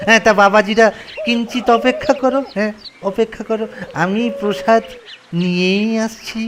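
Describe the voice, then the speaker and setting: A man's voice: high voice, fairly even intonation, moderate pace, background noise, natural voice. A man voicing a pompous, pious old holy man in a children's cartoon, drawling and sanctimonious. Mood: unctuous. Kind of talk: Bengali children's cartoon voice acting.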